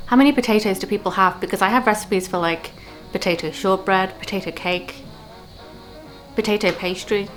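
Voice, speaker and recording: Female cooking vlog host, chatty with dry wit, medium pitch, casual delivery over music. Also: moderate pace, poor audio.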